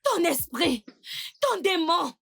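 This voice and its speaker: Actress as frantic young daughter, very high gravelly wail, swoops up and down, dubbed drama. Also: female voice, very animated, slow, full character voice. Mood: furious. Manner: wailing, shouting. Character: panicky young woman, the father's scheming daughter.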